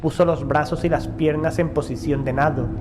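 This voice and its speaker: A man reading a first-person horror story as an audiobook narrator, in a measured, formal storytelling delivery. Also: on the high side, fairly even intonation, background noise. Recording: music behind the voice. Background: background music.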